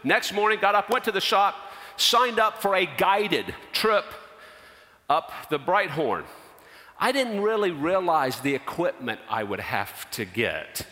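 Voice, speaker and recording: Middle-aged guy preaching, story mode, fairly high bright voice, big echoey church. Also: a little slow. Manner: animated storyteller, drops low for emphasis. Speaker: pastor. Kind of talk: sermon storytelling. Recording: long hall reverb.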